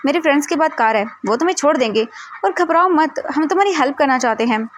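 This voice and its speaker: A woman voicing sleazy, menacing young men who taunt slowly and smugly. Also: high-pitched, animated, a little hiss or hum, pitched above the performer's own voice. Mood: smooth-talking. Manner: slow, smug, taunting.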